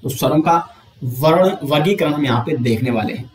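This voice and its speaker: A man teaching an exam coaching lesson, explaining step by step, asking and answering his own questions, and drawing out sounds slowly to show them. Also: fairly high pitch, expressive, roomy sound.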